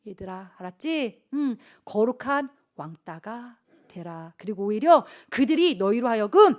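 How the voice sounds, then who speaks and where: A woman youth pastor giving an informal, exhorting sermon to teenagers, asking them direct questions and moving between emphatic calls and hushed, intimate lines. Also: fairly high pitch, very animated, unhurried. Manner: talks to listeners directly with rhetorical questions.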